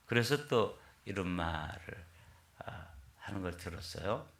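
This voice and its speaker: Gravelly older man preaching in a church. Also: sits low, expressive, a little slow, a bit bright. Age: 60s. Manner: conversational storytelling. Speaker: pastor. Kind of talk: early-morning sermon. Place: church sanctuary. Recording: echoey church sanctuary.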